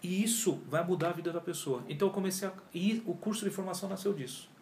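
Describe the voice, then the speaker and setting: A man tells his story as a guest in a casual interview, and his speech is animated and full of slang. He talks quickly in a slightly raised voice. The recording has a roomy echo around him. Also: high voice, creaky, slight background noise. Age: 40s. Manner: animated and slangy, often says cara and pô. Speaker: yoga teacher and guest.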